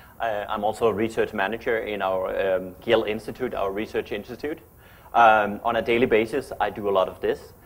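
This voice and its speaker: A man with a Danish accent talks at a fairly quick pace, his fairly low voice holding fairly even intonation. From Denmark. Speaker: architect. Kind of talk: lecture. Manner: fast.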